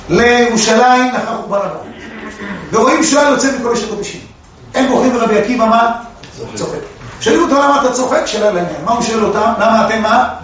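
A very high-voiced man gives a Torah lesson to a class, animated and full of questions. The recording is echoey and dull, picked up from across the room. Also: a little hiss or hum. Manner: animated, asks the class questions and acts out dialogue. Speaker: Torah teacher. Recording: echoey room, distant mic, dull lo-fi sound.

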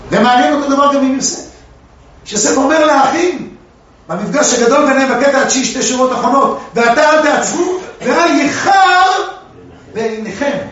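A man teaching a classroom Torah lesson, animated, asking the class questions and acting out the dialogue. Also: very high-pitched, slight background noise. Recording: echoey room, distant mic, dull lo-fi sound.

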